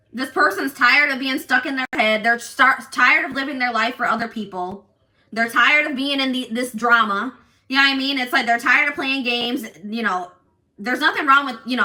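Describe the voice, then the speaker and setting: A woman with a strong, loud voice giving a casual tarot reading to viewers in an assertive, emphatic, repetitive manner. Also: on the high side, distant mic, rough recording. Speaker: tarot reader and channel host.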